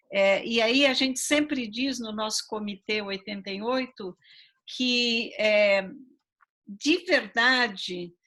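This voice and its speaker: A woman hosting a live online talk, speaking emphatically with frequent hesitations. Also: a little high. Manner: warm, emphatic, many "é" fillers. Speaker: committee host opening a live event.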